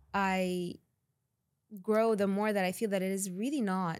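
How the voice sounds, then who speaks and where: A woman with an Arabic accent, at medium pitch and a fairly slow pace, with fairly even intonation. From Egypt, raised in the UAE. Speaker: comedian and content creator. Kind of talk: casual interview. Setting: studio.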